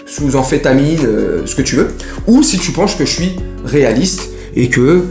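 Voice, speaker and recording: A football vlogger talks casually to camera about the mercato, rambling, joking in slang and addressing his viewers directly. His medium-pitched voice is lively, with vocal fry, at a moderate pace. The sound is roomy, with music underneath.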